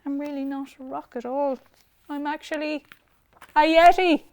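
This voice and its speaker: Storybook yeti, played by a woman reader: lonely, pleading, gentle, pitched a little up. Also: fairly even intonation, moderate pace, no echo. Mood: shy, confessing. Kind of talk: picture-book read-aloud.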